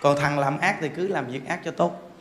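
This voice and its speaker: A male monk giving a dharma talk in a lively, joking way, acting out quarrels with bursts of laughter. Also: on the high side, moderate pace. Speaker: monk teacher. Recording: echoey hall with faint background noise.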